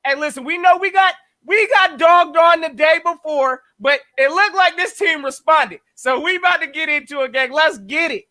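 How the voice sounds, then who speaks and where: Very high, bright, shouting hype man. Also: moderate pace, hardly any pauses, no room sound. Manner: loud, shouting hype calls. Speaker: podcast co-host. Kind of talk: hype show intro.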